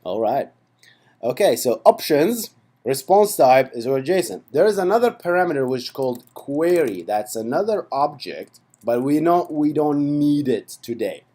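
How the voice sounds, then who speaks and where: A man walking through code in a relaxed screen-recorded lesson. His pitch rises and falls a lot as he talks, and his tone is mellow and dark. He chats along playfully and keeps checking in with the viewer. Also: normal speed. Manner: chatty and playful, with frequent "right?" and "okay" asides. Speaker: programming instructor. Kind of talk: casual screen-recorded coding tutorial.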